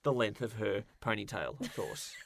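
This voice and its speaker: A man's voice: fairly low pitch, animated, moderate pace, gravelly, a bit bright, slight background noise. A man co-hosting a podcast, discussing films and games casually in a playful, joking manner. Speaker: podcast co-host.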